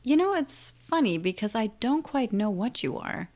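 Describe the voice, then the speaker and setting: A woman's voice: fairly high pitch, big pitch swings, moderate pace, a little mellow. A woman playing an ancient, menacing siren in an audio drama, taunting and condescending with a theatrical drawl. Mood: intrigued, gloating. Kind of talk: audio drama villain acting.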